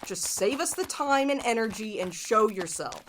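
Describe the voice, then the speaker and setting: An actress playing a tough, sharp-tempered woman in an audio drama, with a dry, no-nonsense manner. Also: a little high, expressive, moderate pace, a little hiss or hum, low-quality recording. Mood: focused. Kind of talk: scripted audio drama acting.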